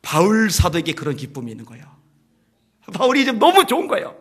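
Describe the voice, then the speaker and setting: A male pastor giving a sermon to his congregation, telling a story with rhetorical questions and swinging between hushed and loud, emphatic passages. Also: high-pitched, huge pitch swings, quick pace, husky. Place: church service.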